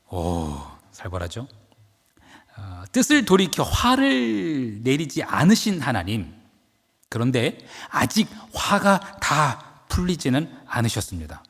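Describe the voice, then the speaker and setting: A man's voice: on the high side, husky, long reverb tail. A male pastor delivering a dawn-service sermon with dramatic, emphatic storytelling. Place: church sanctuary.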